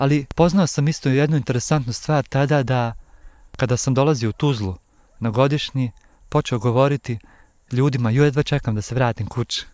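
In a very clean recording with a silent background, a man with an ordinary speaking voice talks at a moderate pace, his pitch medium with ordinary variation. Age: 40s. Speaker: podcast host. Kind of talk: personal monologue. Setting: outdoors on a meadow.

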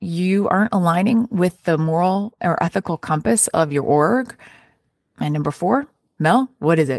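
With an American accent and a normal speaking voice, a woman speaks at a moderate pace in a fairly low pitch with lively intonation, the sound dry and close with no echo. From US Midwest, Chicago suburbs. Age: 40s. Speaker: podcast co-host, HR leader. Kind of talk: casual chat.

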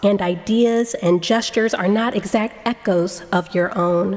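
A woman speaks over noticeable background noise. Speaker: poetry reader. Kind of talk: poetry reading, solemn and devotional. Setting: church worship service. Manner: measured, slow and reverent.

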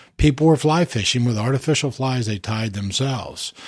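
On a very clean recording with a silent background, a somewhat breathy man with a medium pitch and an American accent speaks at a moderate pace with ordinary pitch variation. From Missouri Ozarks. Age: 60s. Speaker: retired conservation worker and fly fishing instructor. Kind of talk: casual interview. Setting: on location at a state park.

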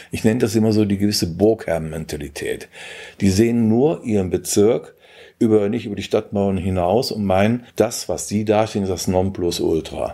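A man's fairly low voice with a dark, mellow tone, ordinary pitch variation and a moderate pace. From Germany, Eifel (Prüm). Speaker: music industry manager. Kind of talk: interview.

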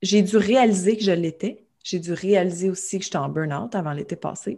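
At a moderate pace, a woman speaks in a medium pitch with ordinary pitch variation. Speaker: entrepreneur and group coach. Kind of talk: casual interview conversation.

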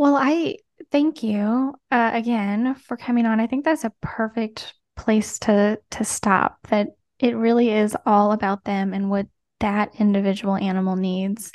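Against a quiet background, a woman speaks in a normal speaking voice at a fairly high pitch. She keeps a fairly slow pace with ordinary pitch variation. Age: 40s. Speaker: podcast host and pet health coach. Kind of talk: casual interview chat.

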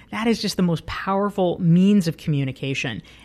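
Here is a normal speaking voice with an American accent and ordinary pitch variation. The recording is very clean and the background silent. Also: woman. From US South, North Carolina. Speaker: author and business speaker. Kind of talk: interview. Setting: studio.

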